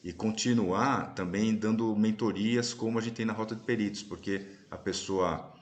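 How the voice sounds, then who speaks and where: A man's voice: on the low side, fairly even intonation, normal speed. A man hosting a casual live-stream chat on a video call, explaining things at length and often checking in with his listeners. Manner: explanatory, often ending sentences with "né?". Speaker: host and course instructor.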